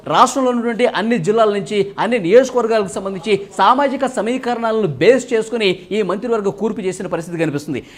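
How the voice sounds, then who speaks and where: Fast, high-pitched man reporting news. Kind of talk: live news reporting and political analysis.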